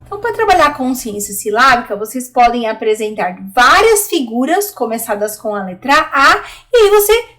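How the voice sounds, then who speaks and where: A woman's voice: a little high, very animated, moderate pace, fairly bright tone. A middle-aged Brazilian woman, a literacy teacher, explaining classroom methods directly to other teachers and checking in with them often. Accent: Brazilian Portuguese. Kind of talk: online teaching video.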